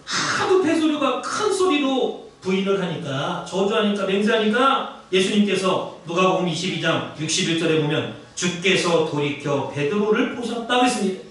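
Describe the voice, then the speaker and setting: A man's voice: high voice, lively intonation, normal speed, few pauses, a bit bright. A man with a Korean accent preaching a sermon as the pastor, telling the story emphatically and dramatically. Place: large church sanctuary. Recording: very echoey church hall, distant mic.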